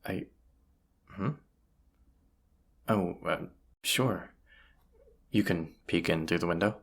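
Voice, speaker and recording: A performer voicing a folksy, plain-spoken bandit leader in an audio roleplay, with a gravelly, husky voice and a conversational, wry manner. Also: deep voice, slow, exaggerated voice. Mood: pondering, uncertain. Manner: folksy, conversational, hushed at times. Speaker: character voice actor. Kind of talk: immersive audio roleplay acting, addressing the listener.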